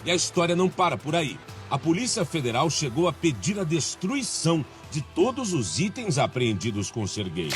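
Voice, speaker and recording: A man with a Brazilian Portuguese accent, a TV news reporter giving scripted narration in a measured, emphatic delivery. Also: on the high side.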